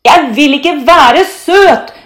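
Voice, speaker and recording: A woman voicing a stubborn little boy who protests in loud shouts, read from a children's storybook in an echoey room. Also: on the low side, very animated. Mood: indignant.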